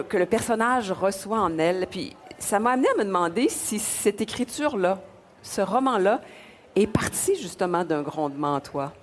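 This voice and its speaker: A woman's voice: mid-range voice, slight background noise. Effusive woman interviewer. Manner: enthusiastic, effusive. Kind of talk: radio interview.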